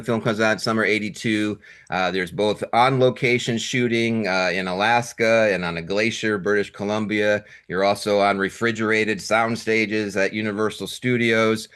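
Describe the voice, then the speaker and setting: Guy hosting a movie interview, kinda low voice, long fan-style enthusiastic questions. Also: fairly bright tone, clear, resonant tone. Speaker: interviewer, host.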